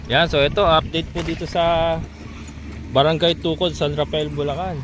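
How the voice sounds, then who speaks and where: A fairly high-voiced man talks his viewers through a walking tour of new lots outdoors, chatty and laughing easily. It sounds like a phone recording, with traffic noise clearly heard behind him. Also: little pitch movement, normal speed. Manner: chatty, points things out to viewers, laughs often. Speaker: vlogger giving a land development tour. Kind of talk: casual walking tour vlog. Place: outdoors at a rural lot by a road.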